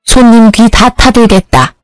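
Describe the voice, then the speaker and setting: A woman voicing a stern older mother-in-law who speaks slowly and scolds. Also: on the high side, no echo, faint music behind, lightly acted. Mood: scolding. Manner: slow, scolding.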